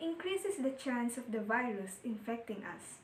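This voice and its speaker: At a moderate pace, a woman speaks with high pitch. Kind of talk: student speech delivery.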